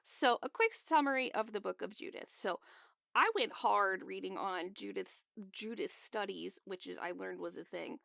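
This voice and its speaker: Chatty woman podcaster, super fry-heavy voice, explains stuff. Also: medium pitch, normal speed, sharp tone, no room sound, studio quality. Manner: explanatory, chatty, laughs often. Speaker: podcast co-host. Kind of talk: casual chat.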